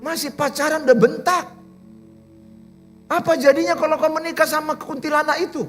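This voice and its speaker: A man preaching a sermon as pastor, in an animated, teasing and humorous way. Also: very high voice, moderate pace, soft background music. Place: church.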